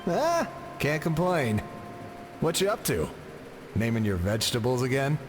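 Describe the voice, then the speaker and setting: An actor voicing an easygoing, friendly uncle in a video game, talking in a casual way. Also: male voice, medium pitch, sing-song, unhurried. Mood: jovial. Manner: jovial, casual. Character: chatty, easygoing uncle, friendly adult villager. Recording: noisy ambience behind the voice.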